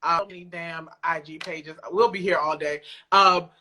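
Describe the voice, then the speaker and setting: A woman's voice: lowish voice, steady tone, moderate pace, bright, forceful tone, a little hiss or hum. A woman chatting casually as an interview guest, candid and informal with some swearing. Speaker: podcast guest, poet and audio drama creator. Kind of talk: casual chat.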